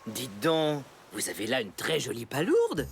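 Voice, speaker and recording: A man's voice: medium pitch, wildly swooping pitch, measured pace, gravelly, full character voice. A man voicing a good-natured, playfully theatrical young father in a children's cartoon. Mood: agreeable. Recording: music behind the voice.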